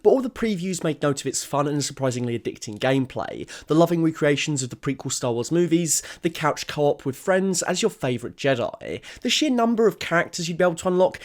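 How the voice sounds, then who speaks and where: A man narrating a scripted video essay in a casual, enthusiastic and emphatic manner. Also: fairly high pitch.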